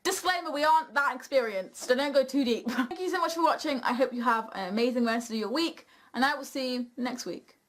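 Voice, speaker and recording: A woman's voice: high voice, brisk, few pauses. A young woman chatting casually and candidly as co-host of a Q and A vlog. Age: young adult.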